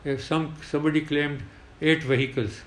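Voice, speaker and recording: An older man with a South Asian accent, a retired pilot recounting war memories in an interview in a halting, emphatic way. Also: on the high side, little pitch movement, reverberant. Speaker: retired air force pilot. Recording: clearly noisy background.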